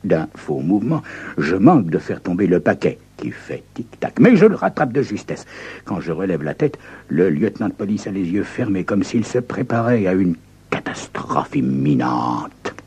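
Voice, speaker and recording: A man reading a first-person crime story aloud in a theatrical, expressive way. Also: sits low, moderate pace, husky.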